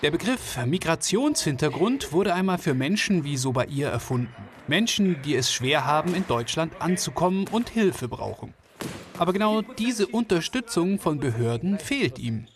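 A man reading a scripted documentary voice-over, clear and measured. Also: fairly high pitch, big pitch swings, a little hiss or hum. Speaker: narrator. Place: studio voice-over.

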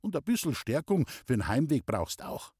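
Narrator doing a calm bavarian young guy, soft coaxing talk, dry close sound. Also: mid-range voice, moderate pace, slightly rough, dry recording, voice pushed up. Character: calm young woodcarver son.

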